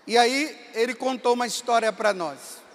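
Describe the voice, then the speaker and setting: A Brazilian priest in his fifties with a Bahia accent, telling stories in a sermon and rising to impassioned shouts. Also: very high voice, moderate pace. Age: 50s. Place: large hall at a camp gathering. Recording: long reverb of a large hall.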